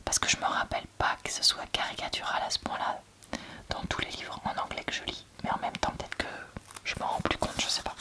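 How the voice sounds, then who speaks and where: A woman speaking in a soft, breathy library whisper, chatting casually and hesitantly in an ASMR book review. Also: fairly quick. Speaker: book reviewer, host of a reading channel.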